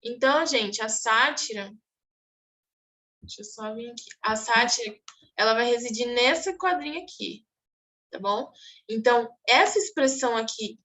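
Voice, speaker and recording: A woman's voice: a little high, a little slow, pushed and bright. A woman teaching a class, going over exam answers and checking in often with her students. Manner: explanatory, checks in with "tá bom?". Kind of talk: online exam review class.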